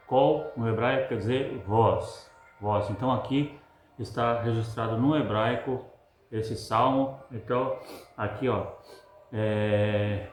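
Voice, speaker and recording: A preacher gives a sermon, repeating his points with emphasis and asking the listeners rhetorical questions. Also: medium pitch. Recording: roomy echo.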